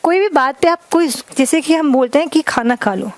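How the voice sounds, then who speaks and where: A woman teaching English grammar in a classroom lesson, explaining slowly, mixing Hindi and English, and often checking whether students follow. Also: high voice, expressive.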